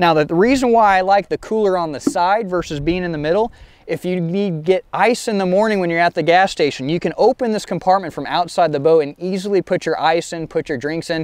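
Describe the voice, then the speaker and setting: Speaking very fast with hardly any pauses, a man uses a high pitch, his voice dry with no echo against a quiet background. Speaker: presenter. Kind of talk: product walkthrough tutorial. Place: waterside. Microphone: lapel.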